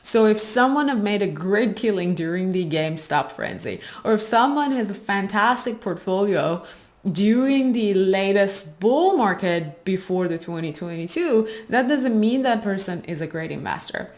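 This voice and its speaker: Female presenter, medium pitch. Prepared explainer delivery to viewers, measured, with emphasis on key phrases. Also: animated, a little mellow. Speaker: host of an investing channel. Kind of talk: explanatory investing commentary, prepared talk to viewers.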